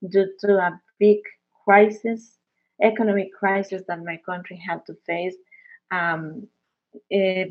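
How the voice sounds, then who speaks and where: Earnest woman from Ecuador, lo-fi. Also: lowish voice. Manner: earnest, frequent restarts and fillers. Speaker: interviewee. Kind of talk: conversational interview. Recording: muffled, lo-fi recording.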